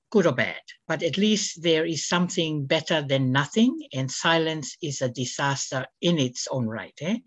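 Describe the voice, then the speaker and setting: A middle-aged woman from Tonga, a community broadcaster, answering interview questions earnestly, with many pauses and a tag "eh". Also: low-pitched.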